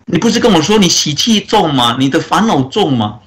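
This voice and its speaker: A man who is a Buddhist monk, giving a dharma talk as a story. He acts out the characters' lines and keeps adding soft chuckles and drawn-out particles. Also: fairly high pitch, very animated.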